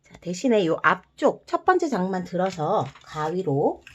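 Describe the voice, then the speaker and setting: Woman, origami tutorial, animated sing-song pitch, gentle and encouraging, slightly dull lo-fi sound. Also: normal speed. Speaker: origami instructor. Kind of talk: step-by-step craft tutorial.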